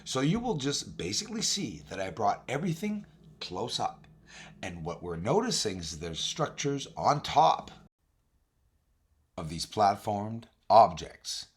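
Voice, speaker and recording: A man with a fairly low, husky voice that sounds hoarse and worn. His intonation is lively and swings around as he talks straight to his viewers. He narrates an informal walkthrough of images with emphatic insistence. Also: unhurried. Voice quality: raspy, husky. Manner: emphatic, addresses viewers directly as guys. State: hoarse voice, recovering. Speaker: video host, amateur telescope observer.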